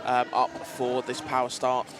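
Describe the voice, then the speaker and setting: Male co-commentator, mid-pitched, relaxed banter, headset, noisy venue. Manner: easygoing, quick banter. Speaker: roller derby co-commentator. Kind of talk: live sports commentary.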